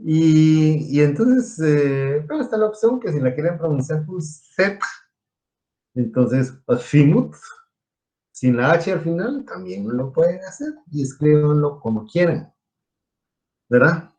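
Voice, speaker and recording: A man's voice: fairly high pitch, very animated, a little slow, dark tone. A man from Guatemala teaching an online engineering class, explaining step by step and quizzing his students. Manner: explanatory, asks students questions.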